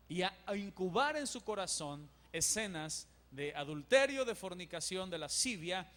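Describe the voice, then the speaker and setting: Male pastor, animated sermon; high pitch, long church reverb. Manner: animated, acts out dialogues.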